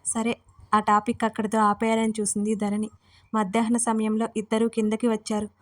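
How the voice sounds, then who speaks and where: A woman's voice: fairly high pitch, monotone, moderate pace. A woman narrating a scripted romance story as storyteller, reading steadily and evenly.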